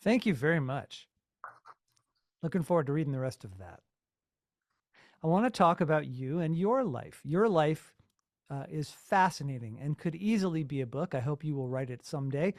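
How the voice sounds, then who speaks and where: Male interview host, slightly high register, dry room-free sound, conversational and a little halting. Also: expressive, no room sound.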